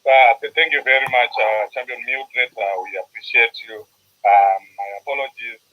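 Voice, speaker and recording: A man's voice: medium pitch, moderate pace, phone-quality sound, slight background noise. A man from Zimbabwe giving opening remarks as radio host on a video call, earnest and hesitant. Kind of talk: opening remarks in an online panel.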